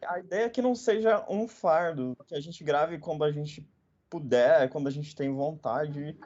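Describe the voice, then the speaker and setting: This twentysomething man hosts a podcast and comes from northern Paraná, Brazil. He speaks at a medium pitch with a darkish tone, and the sound is lo-fi. His chatter is relaxed and playful, peppered with "né?"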